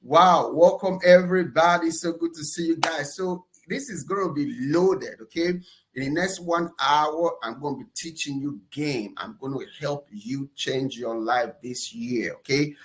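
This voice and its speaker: A man with a Nigerian accent hosting a live webinar, energetic and enthusiastic, often pausing on "uh" and ending points with "okay?". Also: on the high side. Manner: energetic, enthusiastic shout-outs; fillers and repeated "okay?". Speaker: webinar host.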